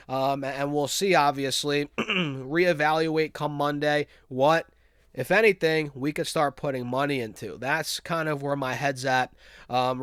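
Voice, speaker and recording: A young man with a stuffy head cold hosts his investing channel in a chatty, easygoing way, calling his viewers "guys" as he goes. His voice sits a little high and comes through clean. The sound is dry and close, with no room echo. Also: a bit bright, clean tone. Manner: chatty, says "guys" often, quick restarts. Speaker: stock market channel host. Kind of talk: casual investing talk to camera.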